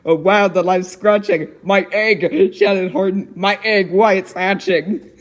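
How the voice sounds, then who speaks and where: A man voicing a cheerful young girl who reads a storybook aloud in an expressive, giggly way. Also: sits high, slow. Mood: animated storytelling. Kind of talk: dramatic storybook reading with giggly asides.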